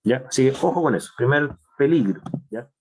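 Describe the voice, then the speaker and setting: A man teaching a university chemistry class. He speaks at an ordinary pitch, explaining each point patiently, slowing down to stress what matters and tagging his sentences with quick checks that his students are following. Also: lively intonation, slight background noise. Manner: explanatory, checks understanding with frequent tag questions. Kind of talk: online class lecture.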